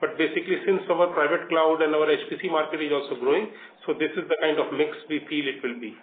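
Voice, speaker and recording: Indian company executive on a roomy phone line. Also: male voice, fairly high pitch, fairly even intonation, fast talker. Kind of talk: answering questions on an earnings call. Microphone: conference call phone. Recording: roomy, noisy narrowband conference phone line.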